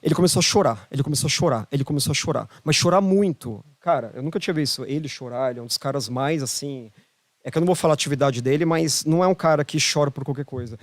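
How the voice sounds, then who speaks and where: A man's voice: medium pitch, fast talker, dry recording. A man with a Brazilian Portuguese accent, a podcast guest telling a story in casual chat, emphatic and repeating phrases for emphasis. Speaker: podcast guest, holistic therapist.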